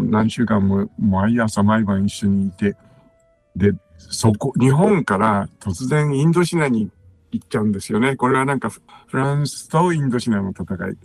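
A male composer and music producer, guesting on the radio, tells anecdotes in a relaxed, wandering style full of fillers and asides. His voice is fairly low and slightly rough, with vocal fry, and there's no room sound.

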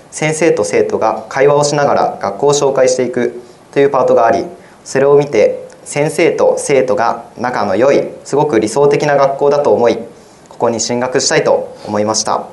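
High school boy reading his own essay on air; plain, steady delivery at an ordinary pitch. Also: normal speed. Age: teens. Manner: plain, even-paced reading. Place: radio studio.

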